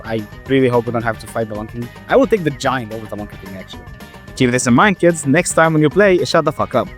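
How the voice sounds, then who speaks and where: A young man who stutters often, narrating and reacting loudly to a game he is playing, casual and swearing. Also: medium pitch, animated, quick pace, soft background music. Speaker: gaming YouTuber. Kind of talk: game commentary with voice-over narration.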